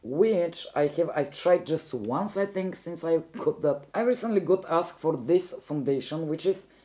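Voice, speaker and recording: Bulgarian-accented woman, mellow chatty voice. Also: deep voice, expressive, measured pace. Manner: chatty, rambling, self-correcting. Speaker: beauty vlogger. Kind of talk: casual makeup tutorial chat.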